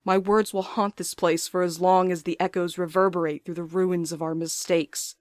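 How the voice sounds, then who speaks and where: A man's voice: high voice, level tone, normal speed, dry recording, studio quality, natural voice. A man playing a brooding letter writer in an audio drama, reading in a solemn, literary manner. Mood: brooding, earnest.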